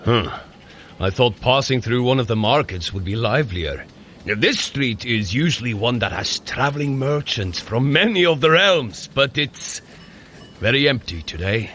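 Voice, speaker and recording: A man's voice: mid-range voice, animated, moderate pace, a bit bright, a little hiss or hum, close to an everyday voice. An actor playing a hearty, boastful Norse warrior god in an audio drama, a jovial storyteller who teases his brother. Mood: uneasy.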